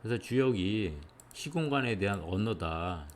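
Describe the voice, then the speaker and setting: A man giving an explanatory lecture, patiently going step by step and often pausing to check in with his listeners. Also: lowish voice, lively intonation, slight background noise.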